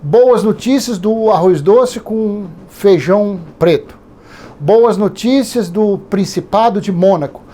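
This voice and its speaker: A man's voice: high voice, takes it slowly, warm tone. Rambling Brazilian man in his fifties. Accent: Brazilian Portuguese. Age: 50s. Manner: rambling, conversational, with digressions and repetitions. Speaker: Bible teacher. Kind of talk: informal Bible study teaching.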